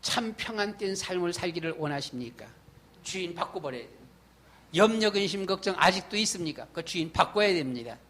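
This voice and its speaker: A middle-aged male pastor delivering an emphatic sermon in a church sanctuary. He speaks in a notably high, very bright voice, asks rhetorical questions, and acts out his own past thoughts and inner voice as quotes. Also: expressive, a little fast.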